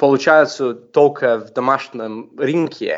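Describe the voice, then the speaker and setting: A man speaks with an English accent at a fairly high pitch. His pitch varies in an ordinary way. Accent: English-accented Russian. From England. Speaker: football journalist. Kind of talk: interview. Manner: halting.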